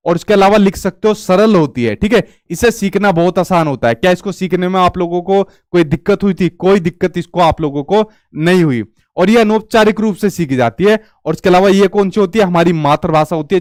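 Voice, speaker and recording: A man's voice: sits high, dry recording, studio quality. A young man with a Hindi accent teaching an online exam-prep lesson, often restating points and checking in with listeners. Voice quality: repeats "ठीक है" and restates points.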